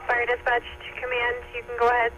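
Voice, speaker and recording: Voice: medium pitch, monotone, brisk. A police and fire dispatcher on a two-way radio, clipped and formal, repeating messages back. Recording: muffled radio scanner with loud noise.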